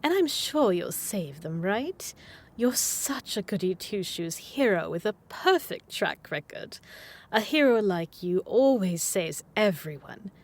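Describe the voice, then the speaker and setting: A woman's voice: medium pitch, very animated, unhurried. A woman playing a playful, obsessive, needy supervillain who is smitten with the hero, in a scripted roleplay spoken to the listener with coy, dramatic emphasis. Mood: mock-sweet menace, then flirty, admiring.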